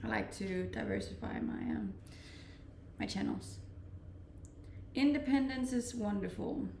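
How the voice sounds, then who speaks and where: A chatty woman in her twenties from Denmark, talking loosely to her live stream viewers and often breaking into laughs. Her voice has a gravelly fry, and she sits back from the mic in a roomy, echoey space with a faint hiss underneath. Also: on the high side, a little slow, a little mellow, recorded from a distance. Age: 20s. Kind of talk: casual chat reading stream comments.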